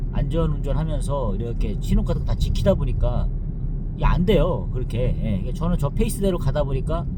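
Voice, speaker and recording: A man in his forties hosting his own channel, rambling in a casual monologue with lots of fillers. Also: mid-range voice. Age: 40s. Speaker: channel host. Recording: loud traffic noise outdoors.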